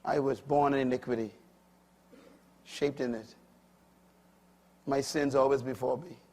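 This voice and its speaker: An older man preaching a sermon, swinging from loud emphatic peaks to quiet low asides. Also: steady tone, unhurried.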